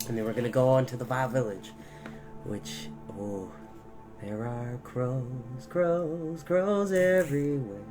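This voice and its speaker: A man hosting a storytime, speaking in a reassuring, expressive manner as he reads and chats. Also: mid-range voice, unhurried. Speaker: storytime host and reader. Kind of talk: audiobook-style storybook reading with chatty intro. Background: music.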